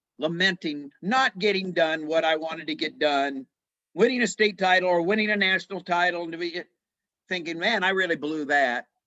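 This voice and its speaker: The voice has a bright, sharp tone and a US Midwestern accent, with ordinary pitch variation at a moderate pace. The sound is dry and close with no echo. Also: man, high pitch for a man. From US Midwest (southeast Iowa). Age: 60s. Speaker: wrestling announcer and ministry founder. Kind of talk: podcast interview.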